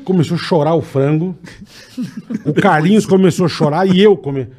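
A man with a Brazilian accent telling a wild party story in casual chat, animated and profane. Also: fairly high pitch, moderate pace. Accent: Brazilian Portuguese.

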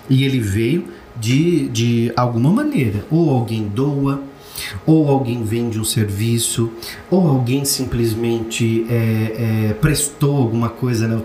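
A man with a Brazilian Portuguese accent hosting a casual motivational talk. He jumps up in pitch when mimicking complainers and searches for words with chatty fillers. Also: a little mellow. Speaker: host. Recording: roomy echo with faint background noise.

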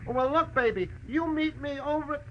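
An actor playing a small, sly, irritable crook and shopkeeper in an old radio crime drama. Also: male voice, very high voice, a little fast. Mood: wheedling. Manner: snappish, fussy. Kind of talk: 1940s-50s radio crime drama acting. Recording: muffled, noisy vintage radio recording.

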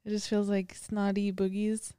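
Casual woman co-host, filler-heavy home chat, crisp dry tone. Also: medium pitch, completely flat delivery, normal speed, mellow, no echo. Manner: chatty, heavy use of "like". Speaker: podcast co-host. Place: home living room with dog nearby.

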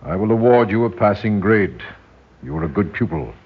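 A stern, commanding spymaster, curt and formal with a husky, lowish voice. The old radio recording sounds dull and lo-fi. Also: male voice, expressive, moderate pace. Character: stern male spy instructor, commanding. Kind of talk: 1960s radio drama acting.

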